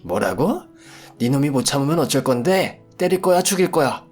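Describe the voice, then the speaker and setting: A man voicing a furious, bullying older father-in-law who shouts and curses in a storytelling radio drama. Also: lowish voice, normal speed, faint music behind, natural voice. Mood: raging. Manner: shouting, cursing.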